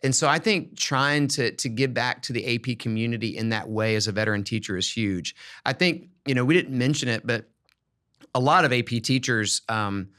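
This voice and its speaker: Man podcasting, halting conversational style. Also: mid-range voice, fairly bright tone. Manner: halting, repeats words while thinking aloud. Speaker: podcast host. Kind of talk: casual conversational advice on an education podcast.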